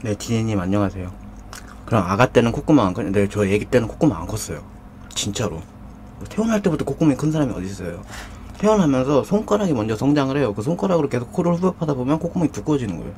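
With a mid-range, somewhat mellow voice, a man speaks fast in a sing-song way over slight background noise. He hosts a live mukbang stream on a desk condenser mic, eating, joking, and reading out names as he banters with the chat.

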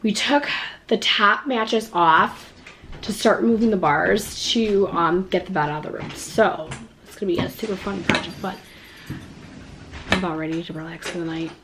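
A woman's voice: fairly low pitch, moderate pace, background noise. A woman in her thirties chatting to the camera in her home kitchen, a little stuffed up with a slight cough, full of "like" fillers. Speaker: vlogger. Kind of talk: casual chat to camera. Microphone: camera at close range.

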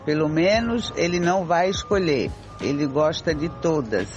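An easygoing, reassuring friend acted by a man in a radio soap. The voice is fairly high, with faint music behind. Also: sing-song, moderate pace, dull audio. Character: easygoing friend consoling jilted women. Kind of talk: amateur improvised radio soap opera.

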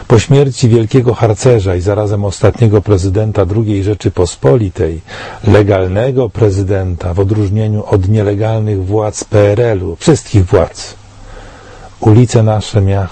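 A man in his sixties from Poland, giving a solemn, measured commentary read to camera in a studio. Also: on the low side, dark tone, husky, no echo.

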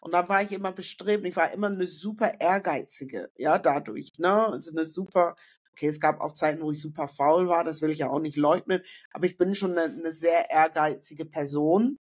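A middle-aged woman from northern Germany speaks as an interview guest, thinking aloud in a loose, reflective way. She often pauses, adds fillers and restarts her sentences. She is heard over a video call from a room indoors. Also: low-pitched, a little mellow, husky. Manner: reflective, frequent fillers and self-corrections. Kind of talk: casual conversational interview.

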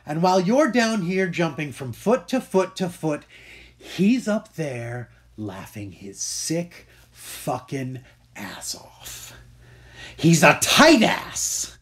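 A man's voice: a little high, big pitch swings, slow pace, a bit bright, full character voice. Man acting a scornful, wildly swinging Devil. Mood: contemptuous. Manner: theatrical, scornful, building to outbursts. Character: bitter, mocking male Devil railing against God. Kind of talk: dramatic monologue for voice-over demo.

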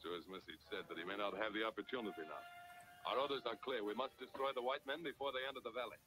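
A man's voice: lowish voice, fast talker, bright, forceful tone, faint music behind. An actor playing a stern male tribal leader in a 1940s film serial, speaking in a grave, commanding way on a noisy old film soundtrack. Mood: grim.

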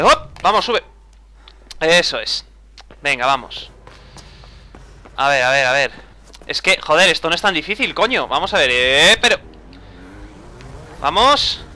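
A young man narrates his gameplay in a bright, crisp, clear voice that swings up and down animatedly. He mutters to himself, curses when things go wrong, and keeps up a casual, exasperated running commentary. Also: fairly high pitch. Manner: exasperated, swears often, talks to himself. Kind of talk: casual let's-play commentary.

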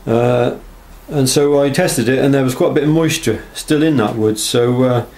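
Speaking at a moderate pace in a mid-range, darkish voice, a knife maker presents his work. The workshop show-and-tell is casual and unscripted, his manner hesitant and understated, and the setting a small block-walled room. Camera audio picks up clear background noise.

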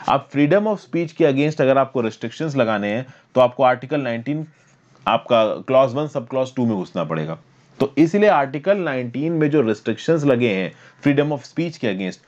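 A young man lecturing for exam prep over slides, explaining step by step and reading legal text slowly. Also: mid-range voice, darkish tone, highs cut off. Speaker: current affairs teacher.

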